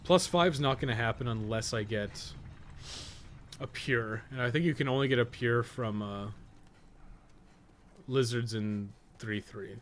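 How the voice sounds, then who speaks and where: A man's voice: medium pitch, a little slow, pauses often, a little hiss or hum. Casual, blunt man livestreaming. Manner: blunt, sweary, opinionated. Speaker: live streamer and podcast co-host. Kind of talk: casual livestream chat and gameplay commentary.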